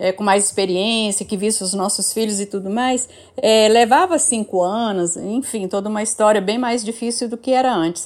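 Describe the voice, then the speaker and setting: In a normal speaking voice, a woman with a fairly high pitch talks at a moderate pace with ordinary pitch variation. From Maranhão, Brazilian Northeast. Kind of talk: interview.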